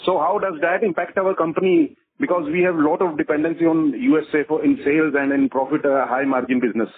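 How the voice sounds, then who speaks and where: Higher-pitched man on muffled phone. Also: steady tone, fast talker. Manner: deferential, addresses listener as sir. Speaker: individual investor caller. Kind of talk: caller question on earnings call. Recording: muffled narrow phone line.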